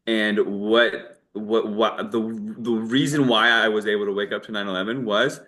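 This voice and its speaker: Low-voiced American man chatting casually. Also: steady tone, normal speed, sharp tone. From Virginia, United States. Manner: informal, meandering, with false starts. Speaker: interview guest, documentary filmmaker. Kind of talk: casual chat.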